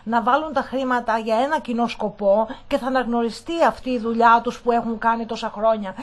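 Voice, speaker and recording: A woman's voice: fairly high pitch, steady tone. An older woman taking part as a guest in a radio studio discussion, heartfelt and reminiscing.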